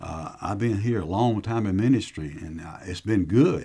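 A man talks at a moderate pace against a quiet background. His fairly low voice has a dark, mellow tone and sounds somewhat breathy. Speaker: pastor. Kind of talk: sermon. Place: studio.

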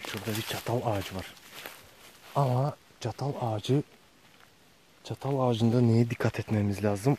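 A man speaks at a fairly slow pace with fairly even intonation. The sound is dry with no echo, over light background noise. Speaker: treasure hunter vlogger. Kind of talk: casual vlog chat. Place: forest. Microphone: phone near.

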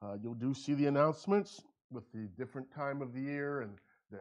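Fairly quick speech from a man with ordinary pitch variation. The background is quiet. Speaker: pastor. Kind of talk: church announcements and opening prayer. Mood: calm, earnest. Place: church.

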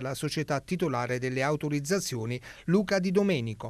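Against a quiet background, a man talks in a fairly high pitch with ordinary pitch variation. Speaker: news anchor. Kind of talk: news reading. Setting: studio.

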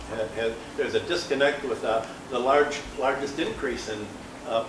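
A man with an American accent, fairly high pitch, fairly even intonation and a moderate pace, against noticeable background noise. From US Midwest. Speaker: economics professor. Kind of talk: conference talk. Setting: stage with audience. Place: classroom.

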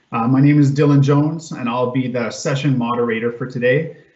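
With audible room echo, a man talks at a moderate pace with fairly even intonation. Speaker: public engagement moderator. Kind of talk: moderator welcome address. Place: home room. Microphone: webcam.

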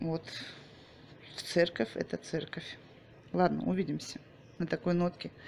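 A woman speaks with a fairly low pitch at a fairly slow pace, leaving long, frequent pauses. Her pitch varies in an ordinary way, over light background noise. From Russia. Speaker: vlogger. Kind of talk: casual vlog talk. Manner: chatty. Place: home room. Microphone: phone near.

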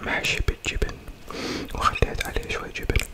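Fairly slow whispering amid noticeable background noise. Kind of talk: ASMR eating video with whispers. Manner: whispered.

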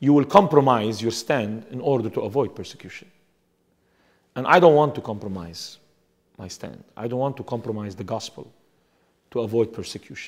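A man with an Arabic accent speaks at a moderate pace, with ordinary pitch variation, big swings in loudness, long, frequent pauses and a quiet background. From Lebanon, Beirut; Lebanon. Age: 40s. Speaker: missionary; interviewee. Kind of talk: testimony. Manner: halting. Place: home room. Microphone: lapel.

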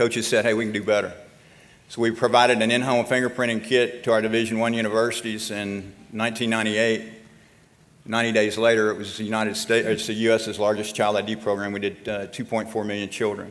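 Here a man speaks with a Texan accent at a fairly quick pace. His intonation stays monotone and flat. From Texas. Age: 50s. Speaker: nonprofit executive director and former football player. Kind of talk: convention speech. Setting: stage with audience. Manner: folksy, conversational. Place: hall. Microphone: podium.

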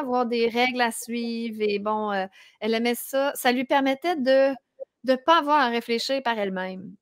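A woman speaks at a high pitch and a moderate pace with ordinary pitch variation. The background is quiet and the sound is dry with no echo. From Quebec. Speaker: singer and influencer; influencer. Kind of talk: casual chat. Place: home room.

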